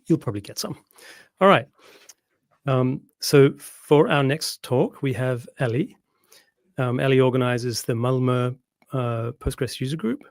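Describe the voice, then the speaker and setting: Relaxed man hosting a livestream. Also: mid-range voice, dry recording, clean studio sound. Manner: relaxed, hesitant, many ums. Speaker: livestream host. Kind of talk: casual introduction.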